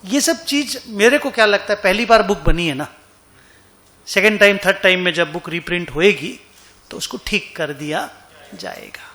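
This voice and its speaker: Bright, high-voiced male accounting teacher. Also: lively intonation, normal speed. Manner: conversational, asks students questions often. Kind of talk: classroom lecture. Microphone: online class recording.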